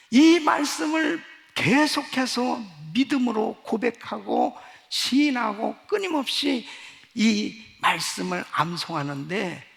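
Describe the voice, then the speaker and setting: High gravelly man preaching in a big church. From Korea. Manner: dramatic preaching, swinging from quiet storytelling to shouting. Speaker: pastor. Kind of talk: sermon. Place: church sanctuary. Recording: long reverb of a large church hall.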